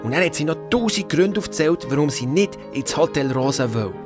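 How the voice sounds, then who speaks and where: A secretive, torn young boy played by a woman narrates his side of an audio drama in a Swiss German accent. The voice sits a little low and tells things earnestly. Music plays clearly under the talk. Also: lively intonation, brisk. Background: background music.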